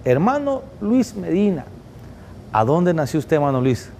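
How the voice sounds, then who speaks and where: A man hosts a Christian TV show in a fervent preaching rhythm, piling up repeated phrases. His voice sits slightly high but sounds mellow and warm, with a faint low rumble under it. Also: big pitch swings, measured pace, creaky. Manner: fervent, repetitive preacher cadence. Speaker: host of a Christian TV program. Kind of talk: preaching television interview.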